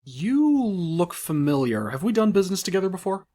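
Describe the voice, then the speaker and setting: A man's voice: high-pitched, sing-song, moderate pace, mellow. Casting: male actor as ruthless loan shark for audio drama, smugly cruel, condescending false courtesy that flips to menace. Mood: smug, silky. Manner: mock-courteous and condescending, erupting into menacing outbursts.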